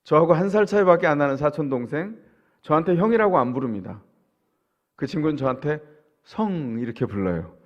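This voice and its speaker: A man's voice: on the high side, expressive, fast, highs cut off. A male pastor from the Chungcheong region gives a sermon in a conversational style, often asking his listeners questions. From Chungcheong, South Korea. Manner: conversational preaching, asks the congregation rhetorical questions.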